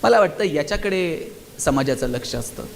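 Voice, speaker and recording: A man's voice: fairly high pitch, lively intonation, moderate pace, vocal fry. A man giving a passionate stage speech to students and teachers at a school gathering. He keeps asking the audience rhetorical questions. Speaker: motivational speaker.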